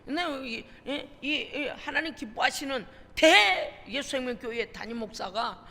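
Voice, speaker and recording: A woman pastor preaching a sermon, animated and emphatic, acting out conversations as she tells stories. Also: sits high, a little slow, vocal fry, big-room sound. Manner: animated storytelling, acting out phone calls. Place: church sanctuary.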